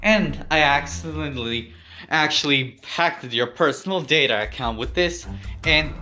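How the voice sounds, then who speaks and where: A man's voice: a little high, moderate pace, bright, forceful tone, faint music behind. A man voicing a gloating, taunting young villain hacker in a fan parody cartoon dub. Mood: smug threatening.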